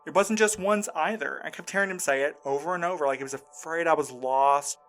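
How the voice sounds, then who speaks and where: A man acting in an audio drama as a shaken, insistent man recounting a frightening ordeal in a halting, earnest way. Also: a little high, a bit bright, faint music behind. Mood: insistent, defensive.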